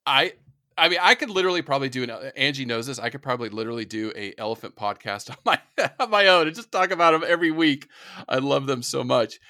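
A man's voice: mid-range voice, expressive, quick pace, bright, forceful tone, no echo, studio quality. A man hosting a podcast interview, enthusiastic and rambling as he asks his questions. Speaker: podcast host. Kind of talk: casual interview talk.

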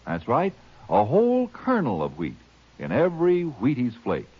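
Male 1950s radio pitchman, chatty, emphatic, wildly swooping pitch, husky, muffled recording. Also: wildly swooping pitch, moderate pace. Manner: chatty, emphatic salesman's delivery. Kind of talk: folksy 1950s radio advertising.

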